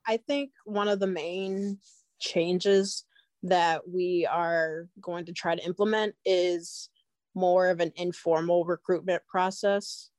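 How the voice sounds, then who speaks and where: A young woman giving anonymous interview answers, her voice disguised and pitched down to hide her identity, speaking slowly with fillers. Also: fairly even intonation, a little mellow, no room sound. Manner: slow, measured, with fillers like "um" and "like".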